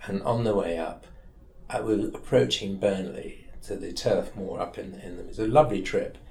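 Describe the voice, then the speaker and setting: A man's voice: sits low, moderate pace, vocal fry, a little mellow, roomy sound. A man in his seventies with a Manchester accent, a guest lawyer telling wry, rambling anecdotes in an interview from his office. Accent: Mancunian English. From England. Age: 70s. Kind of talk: storytelling in an interview.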